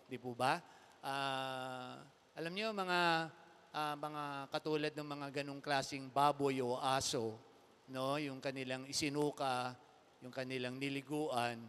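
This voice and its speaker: A Filipino man preaching from the pulpit in a high, bright voice, slow and deliberate. He leans on rhetorical questions and rises to loud emphasis. His voice rings with the long reverb of a church hall. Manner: mixes English into Tagalog, rhetorical questions, rising to loud emphasis. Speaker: pastor. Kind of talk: sermon.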